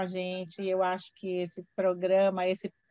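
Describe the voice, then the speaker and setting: Her tone is dark and mellow. The woman's recording sounds dry and close, with no echo. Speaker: podcast host. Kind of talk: interview.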